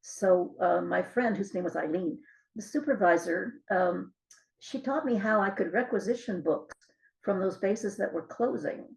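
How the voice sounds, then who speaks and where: An older woman, an author being interviewed, recalls her experiences in a measured, reflective, conversational way. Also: medium pitch, vocal fry, poor audio.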